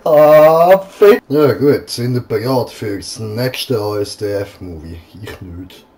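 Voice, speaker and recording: A man's voice: on the low side, slow, darkish tone. A man reacting casually to videos, cursing and breaking into stifled giggles. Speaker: host of a try-not-to-laugh reaction video. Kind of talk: casual reaction chat with swearing.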